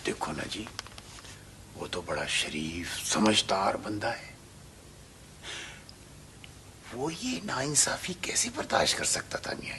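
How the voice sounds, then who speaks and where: An actor with a Pakistani accent playing a scheming, menacing man in a television drama, falsely respectful and softly taunting. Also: lowish voice, full character voice. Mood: mock-pleading. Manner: softly taunting, falsely respectful, often dropping toward a whisper. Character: menacing, scheming man with mock-deferential politeness. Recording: old TV drama soundtrack with music.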